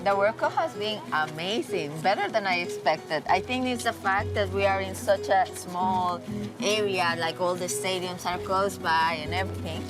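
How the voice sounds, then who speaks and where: A woman's voice: medium pitch, normal speed. Enthusiastic Costa Rican woman over music. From Costa Rica. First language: Spanish. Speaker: interview guest. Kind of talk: casual chat.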